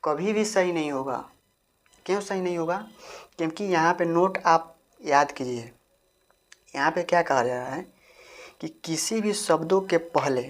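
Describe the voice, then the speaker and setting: A woman with a deep, low-set voice teaches a grammar lesson. She repeats each point and keeps asking the viewer questions as she goes. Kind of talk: classroom-style grammar lesson.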